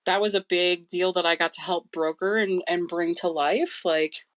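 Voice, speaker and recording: A woman's voice: lowish voice, fairly even intonation, normal speed. A woman chatting casually as an interview guest, informal, candid and emphatic. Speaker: creative director of a podcast, guest.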